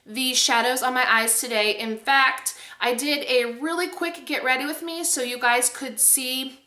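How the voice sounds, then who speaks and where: A woman's voice: high voice, steady tone, a little slow, pushed and bright, reverberant. A woman hosting a casual beauty review, speaking to camera with enthusiastic emphasis. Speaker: beauty video host.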